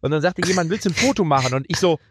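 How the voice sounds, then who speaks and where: A middle-aged man telling lively anecdotes in a casual podcast chat, often slipping into mock Italian voices. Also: a little high, very fast, breathy edge. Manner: animated storyteller, slips into mock Italian voices. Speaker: comedian guest.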